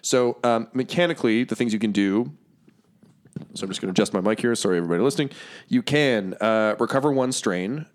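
A man running a tabletop role-playing game, explaining rules in a relaxed way, with many fillers. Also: on the low side, fairly quick. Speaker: game master.

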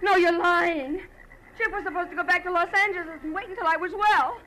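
An actress playing a bitter, reckless young woman in a 1940s radio drama, overwrought and halting, her voice tearful and breaking. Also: very high voice, fairly even intonation, bright, forceful tone. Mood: defiant, desperate. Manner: slow, halting, overwrought delivery. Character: bitter, reckless young woman, doomed former big shot. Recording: noisy old radio recording.

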